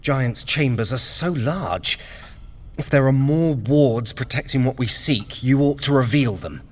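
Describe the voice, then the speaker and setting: A man's voice: medium pitch, unhurried, close to an everyday voice. An actor playing a vain, scheming male trickster god in audio drama, condescending, theatrical and sardonic. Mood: urgent, exasperated. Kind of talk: dramatic audio fiction acting.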